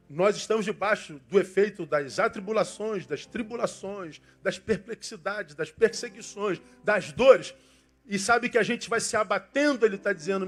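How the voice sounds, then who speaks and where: An older man with a Brazilian Portuguese accent, preaching a sermon with passion, swinging from loud emphasis to soft asides. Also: sits high. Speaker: pastor.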